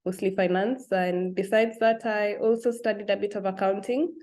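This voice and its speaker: Kenyan-accented woman, young adult, interview guest, thoughtful, frequent ums, soft laughs. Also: medium pitch, steady tone, moderate pace. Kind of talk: interview conversation.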